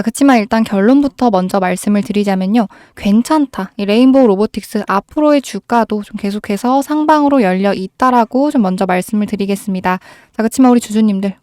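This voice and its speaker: A woman's voice: mid-range voice, darkish tone, no room sound, studio quality. A woman hosting a market commentary, explaining things to viewers in a polite, reassuring way, her voice a little strained by a cold. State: has a cold, slightly strained voice. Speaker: host of a stock market channel.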